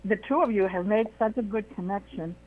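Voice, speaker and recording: A woman calling in to a radio show, giving halting praise to the host and guest. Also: medium pitch. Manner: warm praise, hesitant. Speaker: caller. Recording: tinny phone line.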